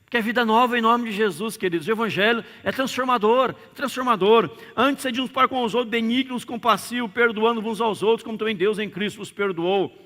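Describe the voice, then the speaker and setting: High, bright-voiced Brazilian pastor preaching. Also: male voice, a little fast, few pauses. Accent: Brazilian Portuguese. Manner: emphatic, repeats key words, calls out for amens. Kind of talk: sermon. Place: church sanctuary. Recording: reverberant church hall.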